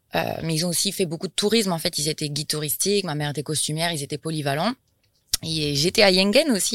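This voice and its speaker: A woman's plain, everyday voice, fairly low in pitch with ordinary variation, on a very clean recording with a silent background and a dry, close sound with no echo. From New Caledonia. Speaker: lawyer and fitness entrepreneur. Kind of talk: casual interview. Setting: cinema hall.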